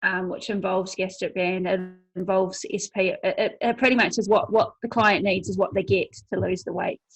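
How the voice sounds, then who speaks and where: A middle-aged woman with a New Zealand accent talks as a guest on a podcast. Her voice sits at an ordinary mid pitch, and her delivery is easygoing, with frequent ums and light laughs. She explains her work in a conversational way. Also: moderate pace, creaky, husky, rough recording. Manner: relaxed, with many fillers and a light laugh. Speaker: guest, hypnotherapist. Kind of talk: casual conversational interview.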